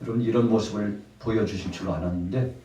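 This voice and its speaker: A man delivers a sermon from the pulpit, switching into lively quoted speech and pressing rhetorical questions on the congregation. His voice carries through a roomy, echoing church sanctuary. The mic sits some way off, so he sounds distant. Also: fairly low pitch, quick pace. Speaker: pastor. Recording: echoey church hall, voice from far off mic.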